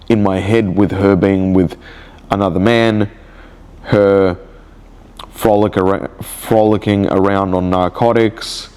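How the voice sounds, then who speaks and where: Speaking into his personal video diary, the vlogger moves slowly and reflectively, pausing and restarting frequently. His deep voice is slightly mellow and clean in tone, though his cold makes his nose sound congested.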